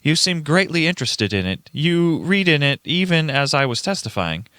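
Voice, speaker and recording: A man's voice: on the high side, sing-song, normal speed, bright, forceful tone, no echo. A man playing a shaken, earnest witness in a radio play, speaking dramatically. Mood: indignant. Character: shaken, indignant young male witness recounting a horror.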